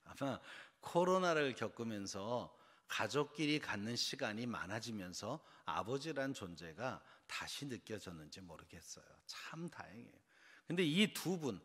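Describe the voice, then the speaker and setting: Preaching as pastor at an early-morning service, a Seoul man quizzes the congregation in a church sanctuary with long reverb. His voice is medium-pitched, a bit bright, and carries a breathy edge.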